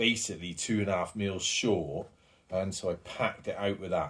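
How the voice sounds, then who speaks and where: Speaking in an ordinary speaking voice, a man with fairly low pitch keeps a moderate pace and fairly even intonation. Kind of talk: casual build vlog explanation. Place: workshop. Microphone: camera far.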